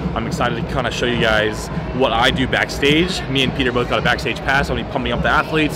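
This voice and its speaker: Over music in the background, a man talks at a very fast pace. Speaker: fitness coach vlogger. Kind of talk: casual vlog chat. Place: hall. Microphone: phone near.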